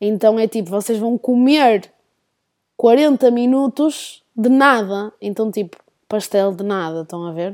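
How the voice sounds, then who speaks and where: On a very clean recording with a silent background, a woman with a Porto accent talks very slowly at fairly high pitch with ordinary pitch variation. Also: big swings in loudness. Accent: northern European Portuguese (Porto). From Portugal, Porto. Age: 20s. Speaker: podcast host. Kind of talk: casual monologue. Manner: halting.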